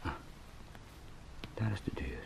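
An actor playing a travelling salesman turned beetle in a radio drama, thinking aloud in halting murmurs, oddly calm and resentful. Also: noisy background, close to an everyday voice. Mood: musing, halting. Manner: halting, murmured fragments, sometimes whispering. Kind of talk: radio drama, slow interior monologue.

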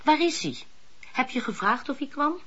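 An actress playing a brisk, opinionated woman in a Dutch radio drama. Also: sits high, very animated, a bit bright. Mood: impatient. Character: brisk, opinionated woman helper, pious letter-answerer. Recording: dull lo-fi radio play recording.

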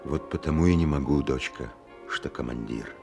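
An actor playing a grave, fatherly army major commanding a besieged fortress in a radio drama, with a deep husky voice. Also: normal speed, darkish tone, faint music behind. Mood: heavy-hearted, firm.

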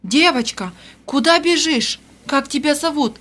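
A woman reading an audiobook voices a middle-aged aunt in black who speaks softly through tears. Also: high voice, measured pace, voice pushed up. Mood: tearful. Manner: soft, tearful, gentle. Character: grieving woman in black, stern then tender aunt.

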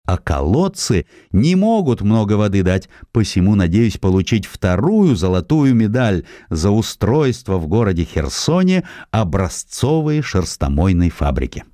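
A man reading a scripted historical narrative as an audiobook narrator, in an expressive, measured storytelling manner. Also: low-pitched, no echo, clean studio sound.

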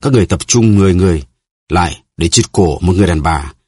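A man reading aloud and voicing a scheming young woman villain who shouts and pleads in a raised voice. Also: sing-song, quick pace, breathy edge, no room sound, exaggerated voice. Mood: defiant. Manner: shrill, frantic shouting and pleading. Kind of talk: audiobook character reading.

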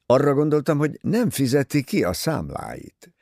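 A man voicing a teasing, easygoing young English gentleman talking with his mother in an audiobook. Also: mid-range voice, huge pitch swings, gravelly, dry recording, clean studio sound, pitched above the performer's own voice, full character voice. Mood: wry teasing. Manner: wry, teasing.

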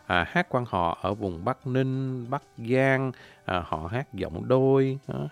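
A man giving an informal spoken lecture. He politely addresses his listeners and fills pauses with drawn-out "à" sounds. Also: lowish voice, vocal fry. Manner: frequent drawn-out "à" fillers between phrases. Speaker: presenter explaining folk singing.

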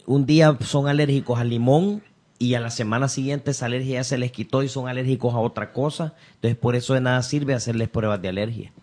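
A man's voice: medium pitch, steady tone, brisk, a little mellow. A man, co-hosting a casual radio chat and explaining things at length.

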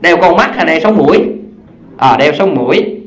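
A man's voice: on the high side, lively intonation, normal speed. A male Buddhist teacher giving a dharma talk, telling parables and asking his listeners questions. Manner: storytelling, asks the audience questions.

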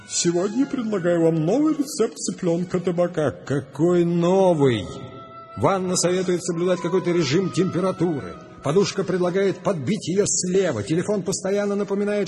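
A man's voice: sits high, lively intonation, normal speed, dark tone. A man acting in a Russian radio drama as a rebellious, wry, impassioned citizen sick of noisy machines, with theatrical, mocking delivery. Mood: bitter, mocking. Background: music behind the voice.

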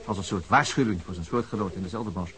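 A man's voice: sits low, fast talker, fairly bright tone, rough recording. An actor with a Dutch accent playing a stubborn veteran police detective in his fifties, blunt and musing by turns in a radio play. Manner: blunt, musing, then commanding. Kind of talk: Dutch radio drama acting.

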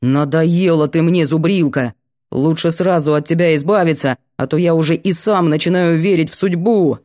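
A woman voicing a gruff, irritable young male student who speaks curtly. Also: sits low, moderate pace, dark tone, no room sound, studio quality, natural voice. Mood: fed up. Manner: curt and growling.

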